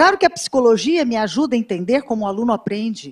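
The background stays quiet while this woman's intonation rises and falls in a lively way. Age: 50s. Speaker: education consultant; panelist. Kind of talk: lecture. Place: hall. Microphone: handheld.

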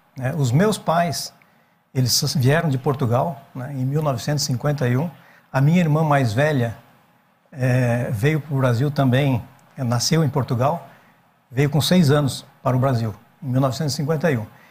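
A man speaks very slowly at a fairly high pitch with ordinary pitch variation. His voice is somewhat breathy, broken by long, frequent pauses. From Brazil, Paraná (Cruzeiro do Oeste); Paraná, Brazil. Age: 60s. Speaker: retired agronomist; interview guest. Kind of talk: interview. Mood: relaxed, reminiscing. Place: studio. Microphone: lapel.

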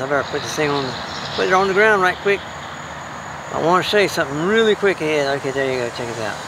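Amid noticeable background noise, a man talks at a very fast pace in a dry sound with no echo. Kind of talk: casual vlog chat. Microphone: phone near.

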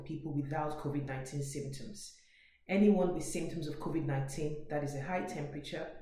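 A woman's very deep, low voice at a fairly quick pace, with fairly even intonation and audible room echo. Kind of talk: public information statement. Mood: calm and earnest. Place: home room. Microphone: webcam.

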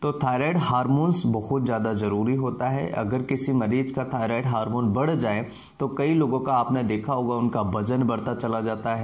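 Against a quiet background, a man speaks fairly slowly at very even loudness and with fairly even intonation. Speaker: health educator. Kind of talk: explainer talk to camera. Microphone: lapel.

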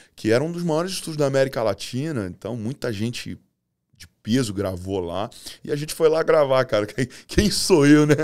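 A man's medium-pitched voice at a moderate pace, with lively intonation and big swings in loudness over a quiet background. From Brazil, Rio de Janeiro. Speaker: church singer; podcast guest. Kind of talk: casual chat. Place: studio. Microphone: studio mic.

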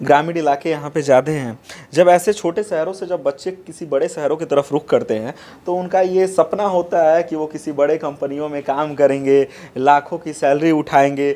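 With a fairly high pitch and ordinary pitch variation, a man speaks at a fairly slow speed. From Deoria, eastern Uttar Pradesh, India; Uttar Pradesh, India. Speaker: news reporter. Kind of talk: interview; news report. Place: home room. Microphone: handheld.

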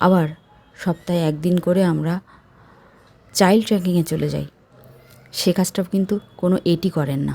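A woman's somewhat breathy voice, dark and mellow in tone, with a fairly low pitch and fairly even intonation. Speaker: para teacher and YouTuber. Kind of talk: news commentary vlog.

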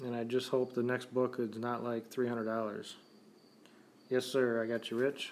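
A soft-spoken man at medium pitch, fairly slow and monotone, with flat intonation and long, frequent pauses. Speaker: lottery scratch-off streamer. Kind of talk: live stream commentary. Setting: home live stream at night.

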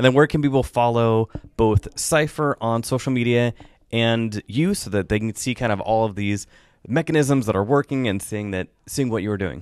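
With a General American accent, a man speaks in a normal speaking voice at medium pitch and a moderate pace, with ordinary pitch variation, a dry, close sound with no echo, and a quiet background. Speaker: podcast host. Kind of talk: interview.

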